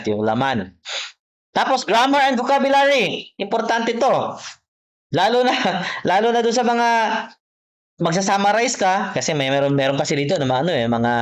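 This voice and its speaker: A man giving a private online exam-prep lesson, explaining patiently, repeating each point and checking in with his student. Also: a little high. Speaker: test prep tutor. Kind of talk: private online tutoring session.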